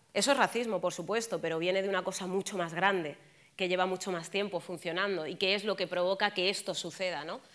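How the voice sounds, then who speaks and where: A woman talks at a very fast pace. Her medium pitch holds a fairly even intonation. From Spain, Alcorcón (Madrid area); Spain. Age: 30s. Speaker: journalist and columnist; speaker. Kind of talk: conference talk. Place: stage.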